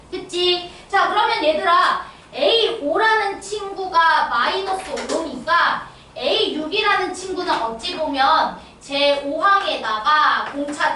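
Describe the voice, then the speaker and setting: A woman's voice: high voice, pushed and bright. A woman math teacher lecturing exam students, often checking if they follow along. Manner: checks understanding with constant tag questions. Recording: echoey room, distant mic, faint noise.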